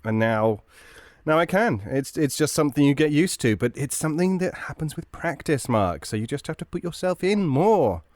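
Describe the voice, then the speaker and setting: A man's voice: a little high, expressive, moderate pace, darkish tone, dry recording, clean studio sound. A man co-hosting a podcast in casual chat, wry and encouraging. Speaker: podcast co-host and voice actor.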